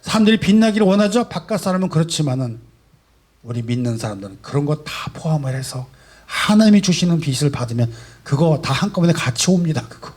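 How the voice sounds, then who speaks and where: A male pastor preaching a sermon, asking rhetorical questions and swinging between soft and loud emphasis. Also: fairly high pitch, very animated, a little fast. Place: church sanctuary.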